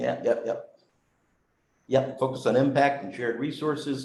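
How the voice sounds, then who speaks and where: With audible room echo, a man speaks at a fairly quick pace in a dark, mellow, somewhat breathy tone at medium pitch. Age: 60s. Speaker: Rotary district governor-elect. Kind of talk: club speech. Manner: animated.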